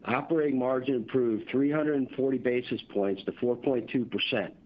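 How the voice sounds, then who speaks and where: A man delivers a scripted corporate results presentation in a formal, measured way. His voice sits at a medium pitch, and the conference-call audio is slightly dull and lo-fi. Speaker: company executive presenting quarterly results.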